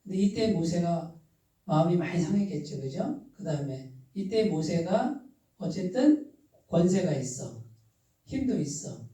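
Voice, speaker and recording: A male pastor preaches in a church sanctuary, frequently asking the congregation questions and waiting for their answers. His voice is a little high and dark in tone, very animated, at a measured pace. The room is very echoey and he's far from the mic.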